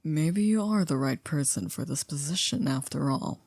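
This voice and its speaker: A woman playing a poised, coolly controlling maid to a vampire in an ASMR roleplay, speaking formally and politely in a hushed, breathy, often near-whispered voice. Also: sits low, animated, no room sound. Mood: touched, teasing. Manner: formal, polite, measured, with stiff wording.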